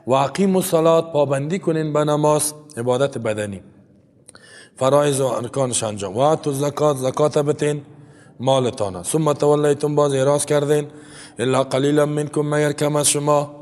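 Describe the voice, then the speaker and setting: In a steady, darkish voice on the high side, a Quran teacher with an Afghan Dari accent recites Arabic verses. He then explains them in simple, chatty terms with rhetorical "right?" asides, and the recording has a big-room feel.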